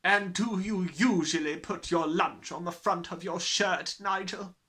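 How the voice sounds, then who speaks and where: A man voicing a huge, bullying headmistress, bellowing with scornful, drawn-out menace in a storybook reading. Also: sits high, pushed and bright, pitched above the performer's own voice. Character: huge, bullying, furious tyrant headmistress, adult woman.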